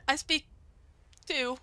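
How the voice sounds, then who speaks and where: Bright-voiced woman game master, halting. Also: high-pitched. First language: German. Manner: halting, many fillers, quick laughs. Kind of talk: narrating a tabletop game and chatting.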